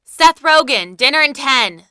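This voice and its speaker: A woman's voice: high voice, expressive, unhurried, bright, forceful tone, no echo, full character voice. An actress playing a sarcastic, irritable young woman grad student in an audio drama. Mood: calling out. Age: young adult. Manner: sarcastic, exasperated.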